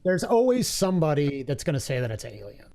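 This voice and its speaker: A man co-hosting a podcast, telling things in a halting, hesitant way in casual chat. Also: fairly high pitch, sing-song, creaky, warm tone. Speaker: podcast co-host.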